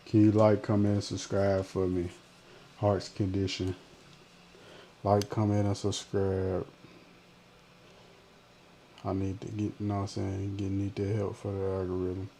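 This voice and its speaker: A man's voice: deep voice, completely flat delivery, unhurried, long pauses, warm tone, slight background noise. A man in his twenties with a Memphis accent, chatting casually on a live stream, reading viewer comments in a laid-back, slangy way. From Memphis, Tennessee. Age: 20s. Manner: laid-back slang, trailing off mid-sentence.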